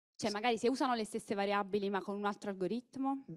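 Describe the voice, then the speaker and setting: The pace is very fast as this woman speaks. Her intonation is fairly even throughout. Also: dry, close sound with no echo. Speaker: training participant. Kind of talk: audience question.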